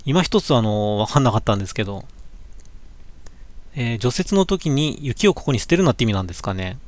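A man's voice: mid-range voice, animated, a little fast. A man chatting casually through a slideshow of his cycling trip, musing aloud, correcting himself and reading signs with many small fillers. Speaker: cycling vlogger looking back on a trip. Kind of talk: casual slideshow commentary for a live stream. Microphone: webcam.

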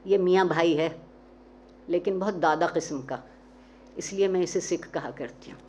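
A woman's voice: fairly low pitch, darkish tone, a little hiss or hum, natural voice. A woman voicing a bold, reckless young woman who gives brusque, impatient commands in a dramatic story reading. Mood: defiant. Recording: dull, muffled recording.

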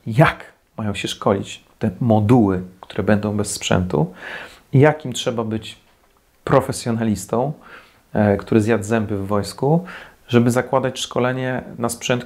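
A Polish man in his forties, a defense commentator, delivers scornful, sarcastic criticism straight to camera from a small indoor room with a plain white wall. He speaks at a moderate pace in a medium-pitched, slightly mellow voice with vocal fry.

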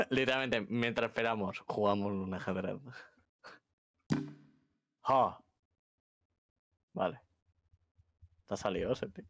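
Slow-talking Spanish man with a creaky voice. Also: fairly low pitch, expressive, fairly bright tone. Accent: Spanish, from Spain. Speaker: gamer. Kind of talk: casual gaming chat.

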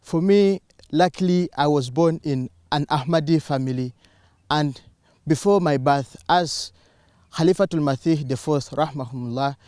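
A man's voice: on the high side, dark tone, smooth, no room sound, clean studio sound. A young man from Uganda in the audience, earnestly telling a personal story into a handheld mic. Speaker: student in the audience.

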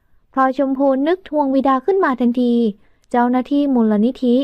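A woman narrates a romance audio novel in a high, steady voice. The recording is dry and slightly dull. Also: fairly quick, no room sound.

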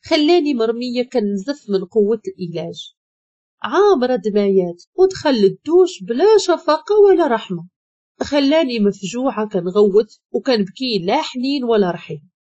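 A woman with a Moroccan accent tells a dramatic first-person story in an earnest storyteller's voice. Her voice sits a little high, with a soft, mellow tone. The recording is close and dry, with a slightly dull sound. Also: big pitch swings, moderate pace, dry recording.

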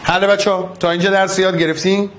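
Male physics teacher, fairly high voice, online class, coaxing and repeats every step. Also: flat delivery, fairly bright tone, a little hiss or hum. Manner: coaxing, affectionate, repeats key steps.

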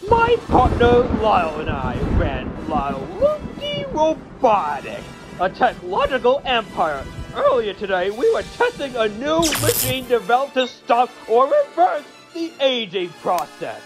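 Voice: mid-range voice, wildly swooping pitch, unhurried. An actor playing an eccentric old demon inventor in a cartoon fan dub, pompous and vengeful, declaiming theatrically over music. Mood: aggrieved. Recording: loud music under the voice.

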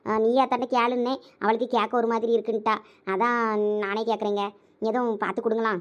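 A woman's voice: high voice, steady tone, dull audio, lightly acted. A woman playing a deferential village wife in a family skit. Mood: pleading. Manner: quick, pleading, deferential.

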